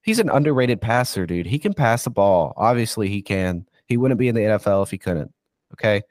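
A man's voice: fairly low pitch, lively intonation, a little fast, a little mellow, no room sound, studio quality. A man with a stuffy, congested voice from being sick, talking football as a podcast guest and going off on long, rambling rants. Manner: rambling, goes on rants, says "dude". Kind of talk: casual podcast chat.

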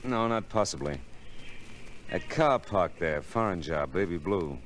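An actor playing a wry, probing hard-boiled American detective in a 1940s radio drama, with dry, laconic delivery. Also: male voice, low-pitched, lively intonation, a little slow, slight background noise. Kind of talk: 1940s radio drama acting and first-person narration. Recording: old radio recording with music.

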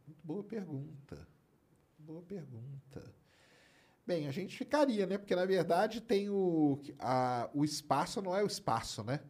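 A Brazilian man answers questions about space in an easygoing, explanatory manner. His voice is husky and sits slightly high. He moves around a lot in pitch. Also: a little slow. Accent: Brazilian Portuguese. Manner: relaxed, explanatory, tags phrases with "né" and "cara". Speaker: astronomy expert answering viewer questions. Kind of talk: casual live-stream chat.

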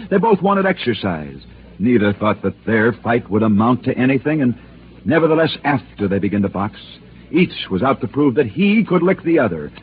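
A man hosting and narrating dramatic true stories in scripted radio style, with theatrical pauses. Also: medium pitch. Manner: theatrical storytelling with emphatic pauses. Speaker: sports storyteller host. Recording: tinny old radio broadcast with hiss.

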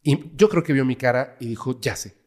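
A man with a Mexican Spanish accent and a mid-range voice tells a story as a podcast guest. He talks in a casual, dramatic way and sinks to a hush at the tense parts. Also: mid-range voice, fairly quick. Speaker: guest, paranormal investigator.

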